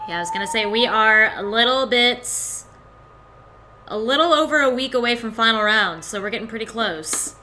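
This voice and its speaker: A woman taking part in a casual online training session, upbeat and quick to laugh. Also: on the high side, huge pitch swings, pushed and bright, a little hiss or hum. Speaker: student player.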